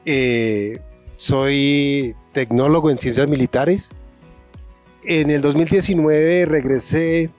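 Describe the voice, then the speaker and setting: Brief: Boyacá man, 40s, halting interview answers, handheld mic outdoors. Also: on the high side, fairly even intonation, darkish tone, faint music behind. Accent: Colombian, Boyacá. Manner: hesitant, many restarts. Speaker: guest, retired soldier. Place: outdoors in a farm field.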